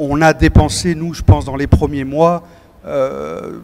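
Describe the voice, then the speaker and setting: A man speaks at a fairly slow pace. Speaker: company executive, conference speaker. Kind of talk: conference panel testimony. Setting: conference with audience. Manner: hesitant, many fillers.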